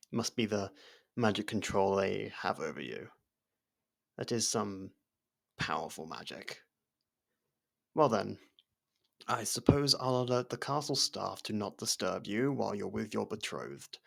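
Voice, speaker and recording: A man voices a devoted castle servant in a fantasy ASMR drama. His voice is low with a heavy gravelly fry, and he takes his time, speaking as a deferential but familiar friend who gently teases. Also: heavily acted. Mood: worried, resigned. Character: loyal personal servant and dearest friend of royalty, gently teasing. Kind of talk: ASMR roleplay audio drama.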